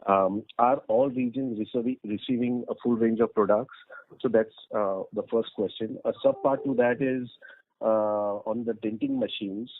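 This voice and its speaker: Man, Indian accent, lowish pitch, polite halting analyst, dry telephone sound. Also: steady tone. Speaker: analyst asking questions. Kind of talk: conference call questioning. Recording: dry, tinny phone line.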